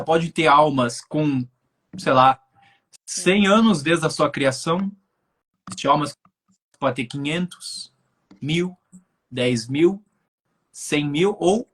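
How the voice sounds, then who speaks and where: Young man, slightly high voice, breathy and husky, explanatory live-stream talk, video call. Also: a bit bright. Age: 20s. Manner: explanatory, thinks aloud with many filler tags. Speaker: guest speaker on spirituality.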